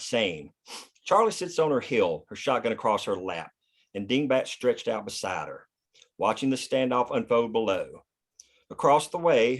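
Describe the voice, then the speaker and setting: Man reading screenplay stage directions. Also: mid-range voice. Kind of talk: scripted screenplay narration at a table read.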